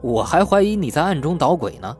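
A male narrator plays a brash young man who talks back to the police. His lines swing widely in pitch, defiant and sarcastic, over faint music. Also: sing-song, brisk, darkish tone. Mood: indignant. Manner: indignant, sarcastic, argumentative. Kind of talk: audiobook character acting.

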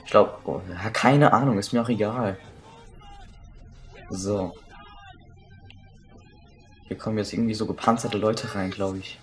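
A young man giving crude, excitable commentary while playing a shooter, swearing and shouting at enemies. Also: fairly low pitch, measured pace, long pauses, soft background music. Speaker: let's play gamer. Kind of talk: casual gameplay commentary.

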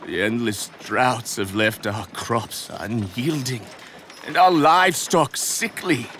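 Weary villager begging for aid, deep and slow. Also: male voice, a bit bright, faint music behind. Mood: pleading. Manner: low, weary, pleading. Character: desperate villager elder pleading for help.

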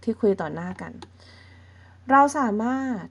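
A woman with an expressive, mid-range voice teaches a beginner language lesson. She goes step by step, explaining slowly and patiently, and often checks in with her listeners using softening particles.

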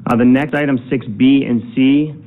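A man serving as mayor, chairing a city council meeting and briskly reading agenda items aloud in a large council chamber. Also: mid-range voice, fairly even intonation. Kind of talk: formal meeting procedure. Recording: tinny, phone-like sound.

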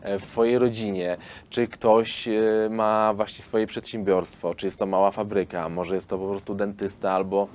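A man in his thirties, a film studio founder, explains his investment offer in an interview, pausing often with fillers. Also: fairly low pitch, level tone, a little mellow. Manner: explanatory, hesitant with frequent fillers. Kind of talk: business interview.

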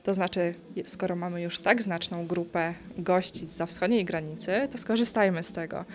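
A woman's voice: lowish voice, fairly even intonation, moderate pace. A young woman organizing the event explains its purpose fluently into an interviewer's handheld microphone indoors. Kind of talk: interview answer. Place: indoor gallery room. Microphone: handheld interview mic.

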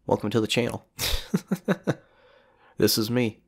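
Casual gamer guy, stuffy and sniffly, rambling chatter with a lowish voice. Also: little pitch movement, a little slow, creaky, husky. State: congested with a cold, sniffling. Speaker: gameplay commentator. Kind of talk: casual let's play commentary.

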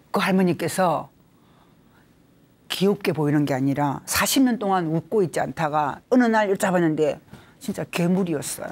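A middle-aged woman with a Gyeongsang accent giving a laughter therapy lecture, leading counting exercises. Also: on the low side. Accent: Gyeongsang Korean. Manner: animated, leads counting drills with bursts of laughter. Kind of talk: lively lecture with group exercises.

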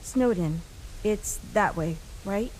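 A woman's voice: medium pitch, takes it slowly, darkish tone, slight background noise, close to an everyday voice, poor audio. A woman as a guarded young girl. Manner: terse, guarded. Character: guarded, quiet young human girl traveller. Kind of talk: comic dub voice acting.

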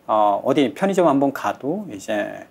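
A man in his forties from North Korea, a guest on a studio talk show, telling his story in an earnest, measured way with frequent pauses, his accent softened toward Seoul speech. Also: medium pitch, very animated, creaky, husky. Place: bright TV studio set. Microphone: lapel mic.

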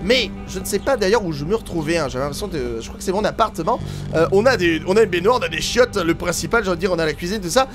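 A man giving chatty, excitable let's-play commentary and laughing often over game music. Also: high-pitched, rapid-fire. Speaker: gaming youtuber. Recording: game music playing behind.

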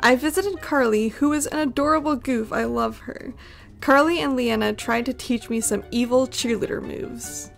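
Woman, vlog voice-over, chatty and playful, slightly high with vocal fry. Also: normal speed, over music. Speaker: vlogger. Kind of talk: voice-over narration. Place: home voice-over recording.

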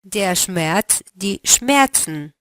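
A woman running a language lesson, giving slow, carefully articulated prompts for the learner to answer. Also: mid-range voice, expressive, fairly bright tone, dry recording. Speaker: language teacher.

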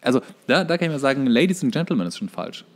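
A man's voice: mid-range voice, animated, racing. A man co-hosting a podcast with casual, tongue-in-cheek comic banter. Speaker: podcast co-host.

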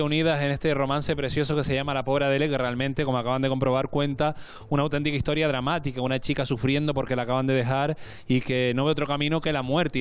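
High-pitched young male TV host. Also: clear, resonant tone. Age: young adult. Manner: chatty, repeats phrases for emphasis. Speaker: TV show host. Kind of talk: playful quiz and entertainment hosting. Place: large TV studio set with seated audience. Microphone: handheld microphone.

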